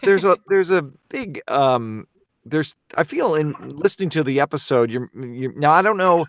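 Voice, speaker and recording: A man's voice: on the high side, sing-song, moderate pace, fairly bright tone, no room sound, clean studio sound. A man hosting a casual panel discussion, often repeating the starts of his phrases as he goes. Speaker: host.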